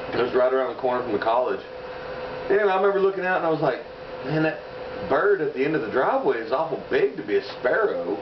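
Noticeable noise fills the background. A man speaks over it at a very fast pace. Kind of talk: casual vlog chat. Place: home room. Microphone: camera far.

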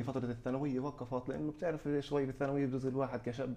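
The tone is dark and mellow as a man talks at a fairly high pitch. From Israel. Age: 30s. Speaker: cycling coach. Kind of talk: TV interview. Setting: studio. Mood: relaxed, engaged. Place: studio. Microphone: lapel.

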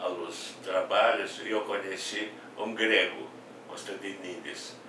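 A man speaks with a Romanian accent. Noticeable background noise sits behind him. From Romania (Bessarabia). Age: 80s. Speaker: visual artist. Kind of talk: interview. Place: studio.

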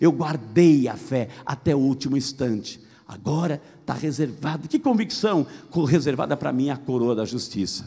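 A man with a fairly high pitch speaks at a moderate pace in a warm, animated tone. Noticeable background noise runs underneath. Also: ordinary pitch variation. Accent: Brazilian. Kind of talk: preacher's homily at Mass. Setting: church with congregation. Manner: warm, animated, exhortative; repetitive, rhetorical questions.

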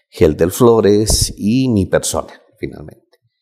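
Against a quiet background, a man speaks at a very slow pace. His voice has a dark, mellow tone. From Bolivia, Potosí city; Bolivia. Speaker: journalist and press union leader; journalist. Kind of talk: interview; interview answer. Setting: studio set. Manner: hesitant, many fillers. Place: studio. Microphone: lapel.

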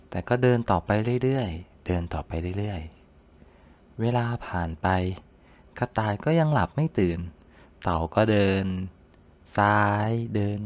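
A man speaks in a normal speaking voice, fairly low in pitch with ordinary pitch variation, against a quiet background. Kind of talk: ASMR boyfriend roleplay bedtime story. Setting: close-mic ASMR. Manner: soft, intimate, gentle.

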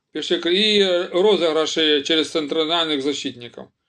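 A man talks with fairly high pitch and ordinary pitch variation. He has a plain, everyday voice. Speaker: football commentator blogger. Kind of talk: casual monologue. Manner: casual, rambling.

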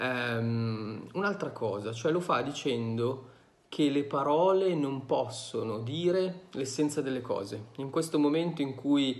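A man delivers his words very slowly, his pitch varying in an ordinary way. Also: fairly high pitch for a man. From northern Italy, Milan; northern Italy. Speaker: novelist. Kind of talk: reflective commentary with poetry reading. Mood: calm, thoughtful. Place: home room. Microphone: phone near.

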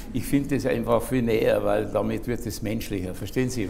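Over light background noise, a man with a Bavarian accent talks at a moderate pace. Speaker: cabaret artist. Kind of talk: stage interview answer. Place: stage.

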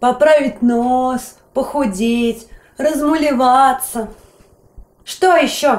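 A woman speaks in a high voice with fairly even intonation, and the room echo is audible. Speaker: actress in a staged scene. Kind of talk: dramatic monologue to her reflection. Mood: frustrated, bitter. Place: home room.

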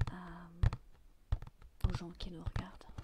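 A soft-spoken woman talks over loud background noise. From France. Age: 30s. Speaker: ASMR creator. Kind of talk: casual talk to camera. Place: home room. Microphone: phone near.

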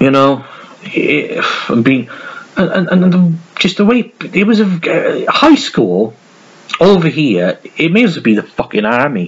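A man with a Welsh accent speaks fairly slowly, his loudness very even, leaving long, frequent pauses. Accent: Welsh (Newport). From Wales, Newport (Pill). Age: 20s. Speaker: YouTuber. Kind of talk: casual monologue vlog. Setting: home video recording. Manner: rambling, repetitive. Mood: loose, candid, frequent swearing. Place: home room. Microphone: webcam.

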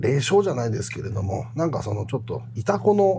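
A man speaks with very wide pitch swings. Noticeable background noise runs behind him. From Aomori, northern Japan. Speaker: ghost-story teller. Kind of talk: spoken ghost story.

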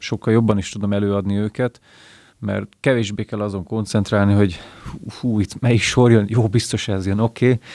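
A man with a dark, mellow tone and fairly low pitch speaks at a moderate pace with fairly even intonation, the sound dry with no echo against a quiet background. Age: young. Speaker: rock singer and guitarist; interview guest. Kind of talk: interview. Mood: relaxed, reflective. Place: studio. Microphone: studio mic.

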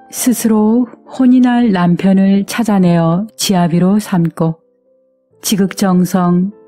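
Over music in the background, a woman speaks very slowly in a calm, soothing tone, her medium pitch showing ordinary variation. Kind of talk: audiobook folktale narration.

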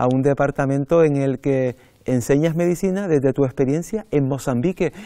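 A man's fairly high voice at a fairly quick pace, with ordinary pitch variation and a quiet background. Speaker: interviewer. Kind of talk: interview. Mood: warm, engaged, conversational. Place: studio. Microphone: lapel.

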